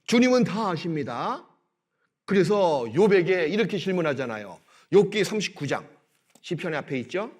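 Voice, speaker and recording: A middle-aged male pastor preaching in a church, explaining scripture slowly and voicing God's words in gentle quotes. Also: sits high, sing-song. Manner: slow, emphatic delivery with swings between loud and soft. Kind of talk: sermon. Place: church sanctuary.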